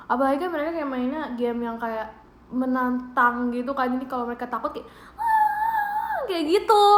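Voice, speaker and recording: A young woman with an Indonesian accent, hosting a casual livestream from home in a playful, giggly way and thanking viewers. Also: high-pitched. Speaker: idol livestream host. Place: bedroom at home. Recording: roomy echo from a home livestream.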